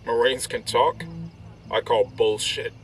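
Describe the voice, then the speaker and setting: An actor playing a dry, skeptical male soldier who heckles his buddy in a deadpan manner. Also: medium pitch, slow pace, recorded from a distance, faint music behind, natural voice. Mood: dry, unimpressed.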